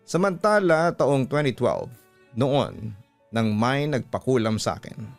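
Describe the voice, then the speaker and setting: A man's voice: mid-range voice, expressive, measured pace, gravelly, soft background music. A man with a Filipino accent, a radio host reading a listener's letter as a dramatic first-person story.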